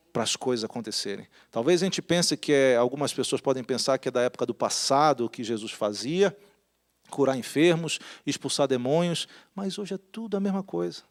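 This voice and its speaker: A man preaching a sermon in a church, talking with the congregation and putting questions to them. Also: medium pitch. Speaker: pastor. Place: church hall.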